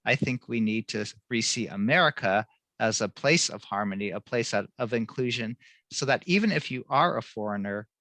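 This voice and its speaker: Gravelly bright-toned man, earnest panelist. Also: lowish voice, no echo, low-quality recording. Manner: earnest, emphatic, building points. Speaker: panel guest, activist. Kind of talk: panel discussion.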